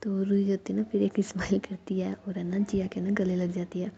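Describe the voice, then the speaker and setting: Woman with a gravelly, mellow voice telling a story. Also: mid-range voice, little pitch movement, a little fast. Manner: chatty, with many fillers. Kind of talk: casual story narration. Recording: dull lo-fi recording with faint noise.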